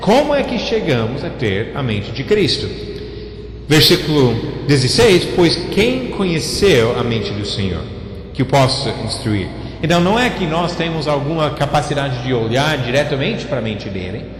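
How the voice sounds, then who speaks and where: With noticeable background noise and audible room echo, a man speaks at a moderate pace in a fairly high voice that swings very widely in pitch. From United States. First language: English (speaking Portuguese). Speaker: Bible teacher. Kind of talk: Bible study teaching. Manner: halting.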